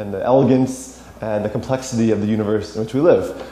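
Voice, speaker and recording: The man talks at a fairly quick pace. Audible room echo surrounds his voice. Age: 20s. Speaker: physics teacher. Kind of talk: lecture. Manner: halting. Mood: enthusiastic about physics. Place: classroom.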